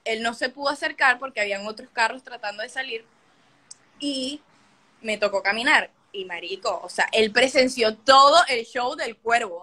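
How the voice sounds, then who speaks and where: A young woman hosting a livestream and telling a story in a casual, animated way. Her voice is bright and forceful and sits fairly high. She swears freely and acts out each scene. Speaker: livestream host.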